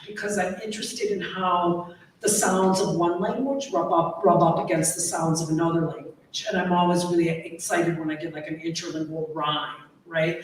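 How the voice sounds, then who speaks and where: A woman poet on a panel, talking in a lively way and often adding "right?". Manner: lively, tag questions with "right?". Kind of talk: live panel discussion. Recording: echoey hall, distant mic, faint rumble.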